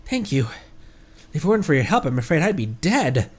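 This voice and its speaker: A woman's voice: low-pitched, very animated, fairly quick, slightly rough, exaggerated voice. A woman voicing a flighty, forgetful young researcher in a video game, chatty and grateful. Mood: relieved, flustered. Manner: scatterbrained, chatty.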